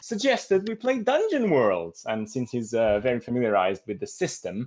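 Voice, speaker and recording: A man speaks at a medium pitch and a moderate pace. His pitch swings very widely. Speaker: tabletop game host. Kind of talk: livestream introduction.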